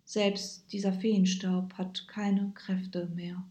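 Downcast gentle fairy, slow and hushed, a woman narrator doing her, storybook, echoey room. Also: mid-range voice, expressive. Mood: sad. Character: sad female fairy with drooping wings.

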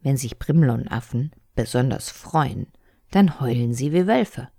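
A jittery eight-year-old big brother from a children's story, read out by a woman in a very low, dark voice. He hesitates and hems, then slips into explaining things like a little know-it-all. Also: animated, unhurried, vocal fry, no room sound, clean studio sound, heavily acted. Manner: hesitant, fearful, tries to sound clever. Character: nervous eight-year-old boy, proud older brother. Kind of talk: storybook reading.

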